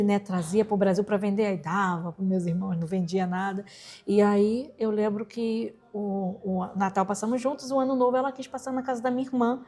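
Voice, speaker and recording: Animated woman. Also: mid-range voice. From Rocinha, Rio de Janeiro, Brazil. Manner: animated, acts out quoted voices. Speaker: interview guest, entrepreneur and singer. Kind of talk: emotional personal storytelling.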